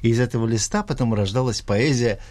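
Man, radio co-host, measured storyteller, dry close recording. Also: mid-range voice, darkish tone, dry recording. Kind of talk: radio talk and presenting.

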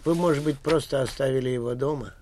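A man's voice: mid-range voice, quick pace, darkish tone, a little hiss or hum. A man co-hosting a radio show, encouraging and prompting the guest. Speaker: radio co-host. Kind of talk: radio interview.

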